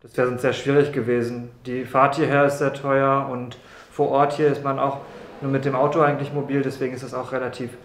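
Junger Mann, flache Stimme, halliger Raum. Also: male voice, medium pitch, level tone, a little fast, roomy sound. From Brussels, Belgium. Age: young adult. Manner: earnest, repeats words while searching. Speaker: medical student. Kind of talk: interview answers. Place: room in a doctor's practice.

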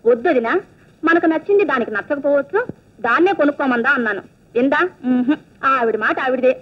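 An actress playing a talkative, chiding middle-aged aunt in a film drama. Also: female voice, high-pitched, a little fast, lightly acted. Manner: chiding, talkative, matter-of-fact. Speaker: aunt of the heroine. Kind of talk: 1980s Telugu film dialogue. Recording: dull lo-fi film soundtrack.

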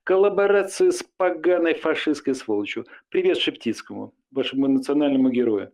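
A man's voice: fairly high pitch, brisk, a little mellow. A man arguing heatedly in the street, interrupting often and stumbling over hesitant fillers. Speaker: passer-by in debate.

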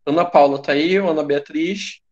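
Through a computer mic on a video call, with the highs cut off, the online English teacher speaks at a moderate pace in a voice on the high side. He's Brazilian, carries a Brazilian Portuguese accent, and keeps the class light by joking and calling on students.

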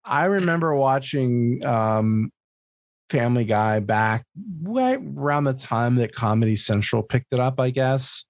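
A man's voice: medium pitch, expressive, measured pace, no room sound. Casual man podcaster, dry close sound. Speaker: podcast co-host. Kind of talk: casual comedic chat.

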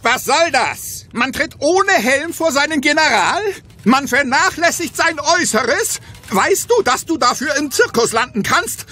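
An actor playing a pedantic, threatening Roman general in a cartoon audio play, scolding sharply. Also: male voice, extremely high pitch, animated, measured pace, pushed and bright, soft background music, full character voice. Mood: outraged.

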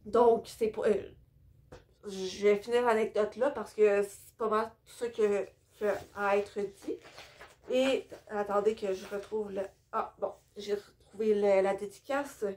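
Unhurried and a little mellow, her medium-pitched voice keeps a steady tone. The speaker is a young book vlogger from Quebec with a Québécois French accent, casually talking through a book haul in a bookshelf-lined room while hesitating, using many fillers, and sounding somewhat tired.

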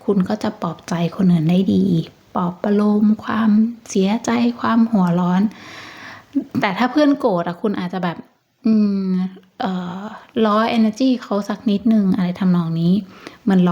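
Woman, tarot reader, casual monologue, gentle and chatty, mid pitch, slightly muffled sound. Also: normal speed. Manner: chatty, gentle, reassuring, with many fillers.

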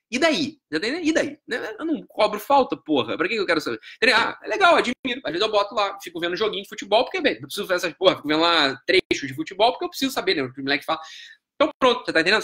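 A man's voice: high-pitched, bright, forceful tone. A middle-aged Brazilian man giving a live-streamed lecture, emphatic and profane, with frequent rhetorical questions. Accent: Brazilian Portuguese.

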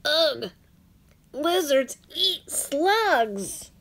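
A woman doing a squeaky little slug. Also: very animated, drawn-out words, a bit bright, heavily acted. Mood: complaining. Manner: squeaky, whiny exclamations. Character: small eager male slug learning to read. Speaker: teacher reading aloud.

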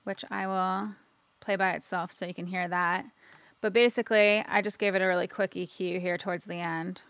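A woman narrating a casual, informal software tutorial, explaining step by step and checking in as she goes. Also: fairly low pitch, fairly even intonation, normal speed, no echo. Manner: informal, explanatory, frequent "right?" tags. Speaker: audio editing instructor.

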